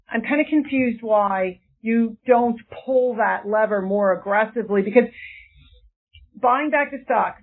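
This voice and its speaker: A woman analyst on an earnings call presses her questions insistently, with stumbling restarts. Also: fairly high pitch. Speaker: equity analyst asking questions. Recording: tinny phone line.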